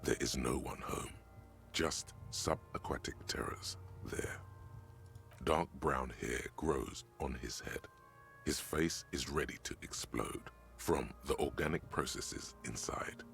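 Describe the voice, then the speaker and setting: A man narrating a game in a scripted, gravelly delivery. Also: rumbling low, takes it slowly, a bit bright, whispered, heavily acted. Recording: faint music under the voice.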